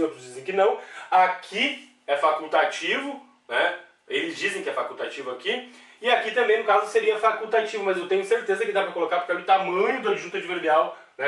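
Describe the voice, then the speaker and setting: High-voiced man teaching grammar. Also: a bit bright, far from the mic. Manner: explanatory, asks himself questions, frequent "tá?" checks. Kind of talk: classroom-style video lecture. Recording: echoey room, mic set back.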